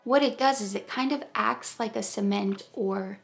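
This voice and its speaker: A woman in her twenties with a New York accent, calmly telling a personal story to camera for her vlog. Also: medium pitch, normal speed, creaky, husky. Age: 20s. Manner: calm and mellow. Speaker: beauty vlogger.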